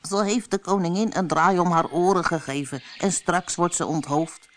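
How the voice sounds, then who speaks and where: A woman's voice: lowish voice, steady tone, natural voice. Woman doing the jittery White Rabbit. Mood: hushed. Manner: hushed and hurried.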